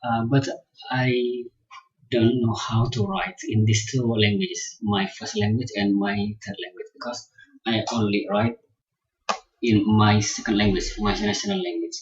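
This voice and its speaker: A man with husky speech who learned English as his fourth language talks slowly and haltingly, filling the gaps with fillers. The sound is dull and lo-fi, with no room echo. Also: medium pitch, big pitch swings. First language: not English (English is his fourth language). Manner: hesitant, many pauses and fillers. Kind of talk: casual personal account.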